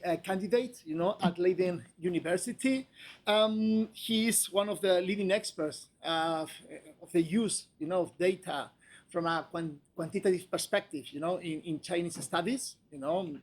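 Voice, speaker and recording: Husky-voiced man introducing a speaker. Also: high-pitched. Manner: halting, peppered with "you know" and restarts. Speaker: event host introducing speaker. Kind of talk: informal spoken introduction. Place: university lecture room.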